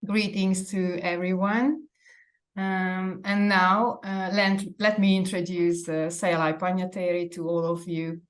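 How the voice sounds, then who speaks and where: A woman hosting an interview, speaking politely with many hesitant pauses and fillers. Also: lowish voice, level tone. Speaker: interviewer, host. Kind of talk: interview host.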